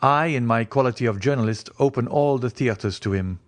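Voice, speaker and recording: Male narrator as a genial young journalist, raised pitch, eager, courteous, lightly playful, audiobook dialogue. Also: brisk, natural voice. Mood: obliging.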